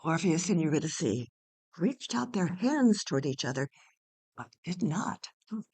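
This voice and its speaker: A woman's voice: low-pitched, sing-song, a little slow, warm tone, husky. A woman reading a play's narration as dramatic storytelling. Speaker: narrator and playwright.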